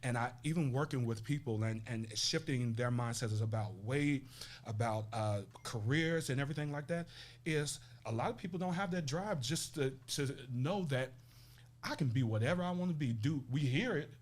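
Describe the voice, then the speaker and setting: A man's voice: mid-range voice, moderate pace. A man from Tennessee, a life coach talking earnestly and reflectively as an interview guest. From Nashville, Tennessee. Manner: earnest, reflective, frequent restarts. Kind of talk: casual interview conversation.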